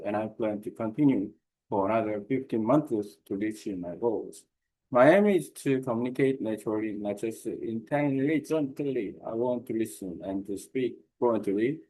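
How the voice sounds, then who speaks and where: A man learning languages who reads his study notes aloud in a careful, halting way with pauses. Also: mid-range voice, darkish tone, rough recording.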